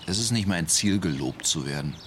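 A man's voice: deep voice, animated, normal speed, fairly bright tone, a little hiss or hum. An actor playing a disdainful, weary male rock star in a radio play, dismissive and clipped.

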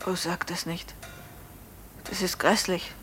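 A woman playing an anguished, guilt-haunted innkeeper's wife in a radio play, brooding and pious, halting and breathy. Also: on the low side, flat delivery, fairly bright tone, a little hiss or hum, poor audio. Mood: anxious, despairing. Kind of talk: German radio play acting.

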